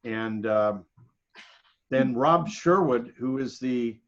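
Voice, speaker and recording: American man, informal presenter, halting delivery, frequent mid-sentence pauses, dull lo-fi video call sound. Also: medium pitch. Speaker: guest presenter.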